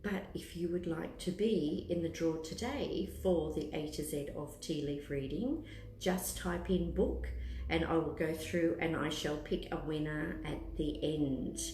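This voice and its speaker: A woman's voice: low voice, measured pace, darkish tone. A woman in her fifties with an Australian accent, chatting casually to live viewers as a host and thinking aloud in a hesitant, rambling way. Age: 50s. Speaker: tea room host, psychic palm and tea leaf reader. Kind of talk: casual chat in a live stream, answering viewers. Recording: roomy echo with clear background noise.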